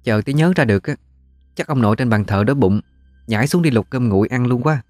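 A man putting on a sharp-tongued young daughter. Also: mid-range voice, no room sound, faint music behind, pitched above the performer's own voice, natural voice. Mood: scolding. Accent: Southern Vietnamese. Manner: quick scolding, sweet-voiced.

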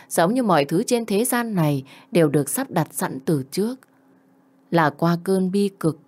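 A woman's voice: on the low side, warm tone. A woman in her twenties narrating a first-person family story in a tender, emotional way. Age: 20s.

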